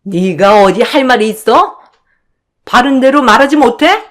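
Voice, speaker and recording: A woman's voice: sits high, expressive, unhurried, voice pushed up. A woman voicing a furious, bullying elder sister-in-law who shrieks accusations and insults.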